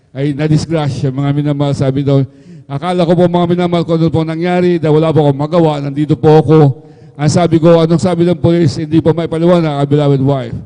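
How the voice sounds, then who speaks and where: A man's voice: fairly high pitch, warm tone, in a large hall. A middle-aged man giving a fervent testimony at an overnight prayer service, often addressing the congregation. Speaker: church member giving testimony.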